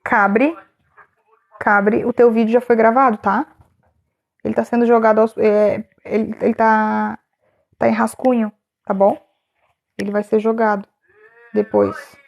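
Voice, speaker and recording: Gravelly, chatty woman on a lo-fi livestream. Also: fairly high pitch, little pitch movement, unhurried, long pauses. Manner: chatty, laughing, reads viewers' names aloud. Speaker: live streamer answering chat. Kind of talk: casual live chat.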